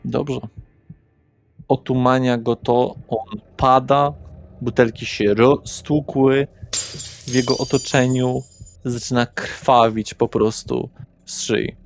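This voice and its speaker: Here a man with a mid-range voice keeps a steady tone and a slow pace as game master of a horror tabletop role-playing session, narrating scenes and discussing rules. Music sits under his voice, and there's a faint hiss or hum.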